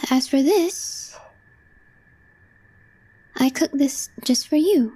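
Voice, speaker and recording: A woman playing a calm, deadpan young female coworker with a crush in an ASMR roleplay, speaking softly and breathily in measured, short phrases. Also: sits high, exaggerated voice. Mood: calm, matter-of-fact. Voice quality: soft, breathy, half-whispered. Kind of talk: intimate ASMR roleplay, scripted.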